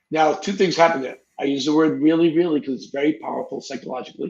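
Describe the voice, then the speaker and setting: At a very fast pace, a man with a Boston accent speaks at a fairly high pitch, with ordinary pitch variation and big swings in loudness. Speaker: realtor teaching marketing.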